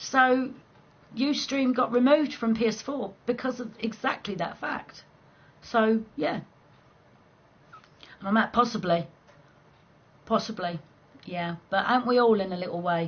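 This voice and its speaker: Speaking with a southeast English accent at a fairly slow pace, a woman uses fairly high pitch with ordinary pitch variation, big swings in loudness, and long, frequent pauses. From southeast England. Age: 40s. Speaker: gaming streamer. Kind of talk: casual chat. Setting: live stream. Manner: animated.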